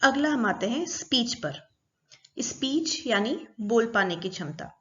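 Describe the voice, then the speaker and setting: A woman's voice: a little high, animated, measured pace, muffled recording, a little hiss or hum. Woman explaining a psychology lesson. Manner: explains step by step, repeating terms. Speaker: psychology teacher. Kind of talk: recorded lecture.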